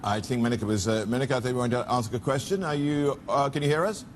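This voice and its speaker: A man's voice: medium pitch, quick pace, slight background noise. A man moderating a formal business interview and putting questions to guests.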